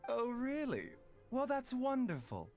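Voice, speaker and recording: An actor playing a gentle, composed male doctor in a video game, speaking politely and formally. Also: very high-pitched, huge pitch swings, measured pace, soft background music, heavily acted. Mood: courteous, composed.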